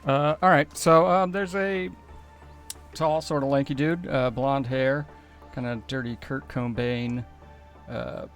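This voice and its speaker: A man's voice: mid-range voice, fairly even intonation, takes it slowly. A man playing a tabletop game, casually improvising a description, with music behind him.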